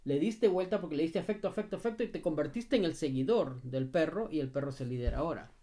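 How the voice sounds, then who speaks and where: A dog trainer in a casual advice video speaks fast in a mid-range, warm voice. The delivery is direct, emphatic, and repetitive, addressing the viewer familiarly as "you" and often checking in with "ok?"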